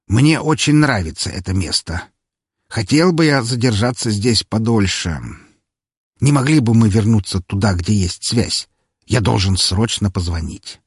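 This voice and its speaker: A man voicing an elderly, courteous Chinese chancellor who speaks calmly and formally. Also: lowish voice, unhurried, breathy edge, no echo, clean studio sound. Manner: ceremonious, formal, calm.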